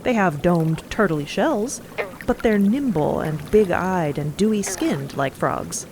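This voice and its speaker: A woman's voice: on the low side, expressive, slow pace. A woman narrating scripted fiction with descriptive storytelling. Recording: clear water noise under narration. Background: water ambience.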